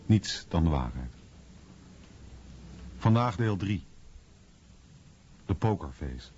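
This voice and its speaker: A man's voice: low-pitched, very animated, takes it slowly, darkish tone, a little hiss or hum. A man reading scripted narration for a radio documentary drama. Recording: dull lo-fi radio recording. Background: music.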